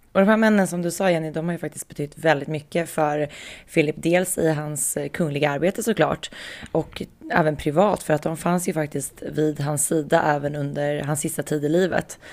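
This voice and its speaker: A woman's very deep, low voice at a moderate pace, with fairly even intonation. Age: 20s. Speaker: royal news podcast co-host. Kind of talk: casual chat.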